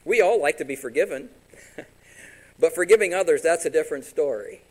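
Pastor, male, fairly high voice, lively sermon delivery with rhetorical questions. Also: moderate pace, poor audio. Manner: animated preaching, voices imagined congregants.

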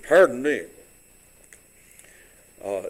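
A man preaching a sermon in a church, his voice rough, often halting with fillers and restarts. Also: on the high side, huge pitch swings, fairly bright tone, poor audio. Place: church sanctuary.

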